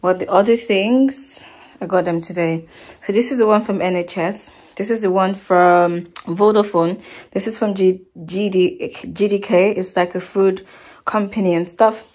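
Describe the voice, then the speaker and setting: A woman's voice: mid-range voice, steady tone, a little mellow. A woman in her twenties from Nigeria, with a Nigerian accent, chatting casually as a vlogger into a phone held at arm's length. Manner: chatty, quick asides. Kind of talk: casual vlog chat.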